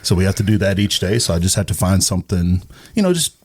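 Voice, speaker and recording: A man's voice: sits low, big pitch swings, fast talker. A middle-aged or older man from East Texas, a radio personality answering casually as a guest in hesitant, thoughtful phrases. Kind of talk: casual interview chat.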